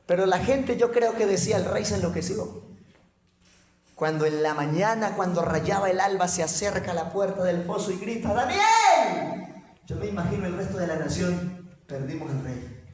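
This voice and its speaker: Fervent Colombian male preacher with a high, raised voice, recorded in an echoey church hall; swings from quiet to shouting. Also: a little hiss or hum. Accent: Colombian Spanish. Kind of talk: sermon.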